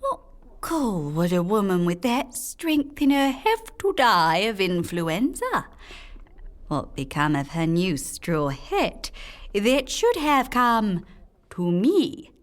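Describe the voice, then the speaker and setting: A woman's voice: mid-range voice, huge pitch swings, slow pace. A woman playing a young, suspicious Cockney flower girl, gossiping emphatically in a radio drama monologue. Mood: indignant, conspiratorial.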